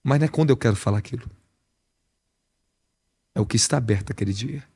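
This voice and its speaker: A man preaching a sermon as an apostle, animated and conversational, with a Brazilian Portuguese accent and frequent rhetorical questions. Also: mid-range voice, quick pace, husky.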